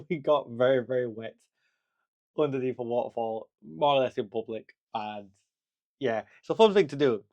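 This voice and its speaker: A man's voice: mid-range voice, moderate pace, a little mellow, lo-fi sound. A young man talking casually to camera in a travel vlog, chatty and rambling, with laughs and restarts, reassuring the viewer. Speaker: travel vlogger.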